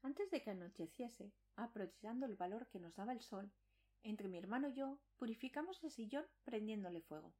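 A woman's voice: a little high, expressive, brisk, dark tone. A woman reading a scripted first-person supernatural horror story as a dramatic narration.

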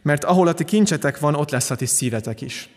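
A man delivering a sermon as pastor, calm and earnest, often restarting his phrases. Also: fairly high pitch, in a large hall.

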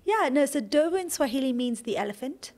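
A young woman from Kenya talks through her business story in an easy, conversational way, pausing on fillers now and then. Her voice sits a little high and carries a gravelly, fry-tinged texture. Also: lively intonation, a little mellow. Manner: conversational, explains at length with fillers and restarts. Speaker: startup founder and CEO. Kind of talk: podcast interview answers.

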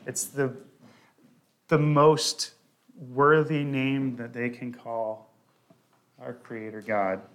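A man preaching a sermon, working through a Bible passage in a deliberate way and lifting his voice on quoted scripture. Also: medium pitch, level tone, a bit bright.

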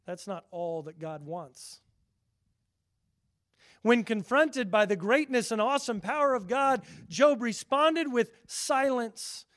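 Middle-aged pastor, man, noticeably high voice, earnest pulpit delivery that swells on scripture and sinks for asides. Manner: earnest preaching, rising loud on scripture, dropping quiet for asides. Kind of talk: sermon.

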